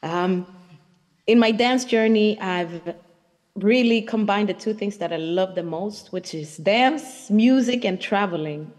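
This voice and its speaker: A woman, a hip hop dancer, talking on a video call in an unhurried, reflective way with many fillers. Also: mid-range voice, darkish tone. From Sweden. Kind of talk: casual interview conversation. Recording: reverberant hall sound.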